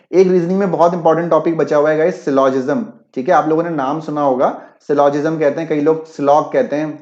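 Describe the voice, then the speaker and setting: In a live online class, a male exam-prep teacher answers chat messages while explaining, switching between Hindi and English and repeatedly asking if students keep up. His voice is higher-pitched with a darkish tone, heard through echoey, dull audio.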